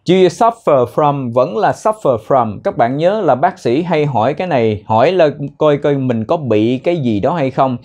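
Man drilling English phrases slowly. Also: fairly high pitch, lively intonation, darkish tone. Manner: explains casually, repeats words slowly to drill pronunciation. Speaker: English teacher. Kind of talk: spoken English lesson.

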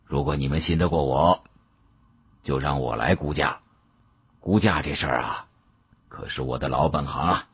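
A man as a deep, husky old professor. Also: moderate pace, long pauses, highs cut off, heavily acted. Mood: calm, deliberate. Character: measured, shrewd older male professor.

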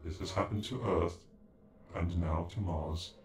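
A man plays an ancient alien android in a sci-fi ASMR roleplay, using formal, stilted, condescending phrasing broken up by glitchy robotic stutters. His low voice is grave and explanatory, fairly even in intonation and a little slow. The recording echoes, with music playing behind him.

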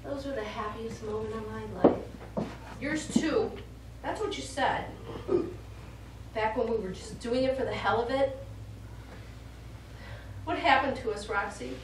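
A woman's voice: on the high side, unhurried, long pauses, natural voice. A woman on stage playing a sentimental, melodramatic diva performer in a theatrical, gushing manner. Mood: wistful, self-pitying. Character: melodramatic, sentimental diva ventriloquist Miss Ladeau. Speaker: stage actor. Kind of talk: live stage comedy acting. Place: small indoor theatre stage. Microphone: far camera. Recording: very echoey theatre, distant camera, noisy.

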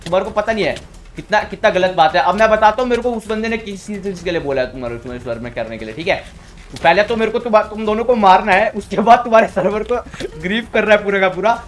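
A man giving live commentary while playing a game, excitable and repeating his words in quick bursts. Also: sits high. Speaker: gamer streamer.

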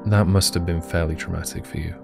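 A man playing a calm, probing therapist who asks measured, polite questions in an audio drama. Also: low voice, creaky, music in the background.

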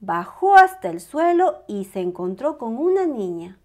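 A woman reading a storybook aloud to young children in a bright, sing-song, welcoming manner. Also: on the high side, big pitch swings, unhurried.

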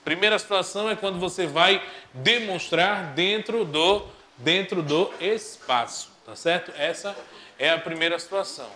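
A male Portuguese teacher giving a lively, joking grammar lesson that poses questions and then answers them. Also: high-pitched, moderate pace. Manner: animated, joking, asks himself questions.

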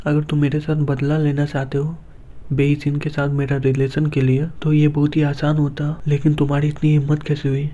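A man voicing a fierce young man who threatens coldly and protects a woman he cares for, read in a flat, even way. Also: fairly high pitch, normal speed, close to an everyday voice. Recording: dull lo-fi recording.

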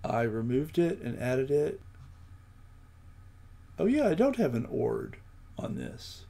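A man with a gravelly, creaky voice talks slowly through live code. He thinks aloud, breaks off into ums and picks his words as he goes. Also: medium pitch, sing-song, warm tone. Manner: thinking aloud, many ums, slow halting speech. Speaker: programming livestream host. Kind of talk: live coding with commentary.

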